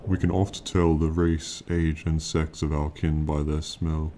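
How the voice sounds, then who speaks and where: In very deep, dark tones that barely rise or fall, a man performs a proud, aloof ancient dragon addressing a mortal for fantasy ASMR. He is calm and lofty, slow and solemn, condescending in archaic phrasing, as soft rain falls behind him.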